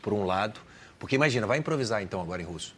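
A male actor being interviewed, explaining his work thoughtfully, with frequent pauses and restarts. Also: fairly low pitch, lively intonation. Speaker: actor guest. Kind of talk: casual interview talk.

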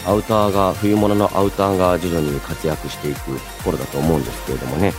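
A man's voice: sits low, quick pace. A man hosting a radio show in a chatty, playful yet polite way, moving between banter and announcements. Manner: playful, polite, animated delivery. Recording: voice over background music. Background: background music.

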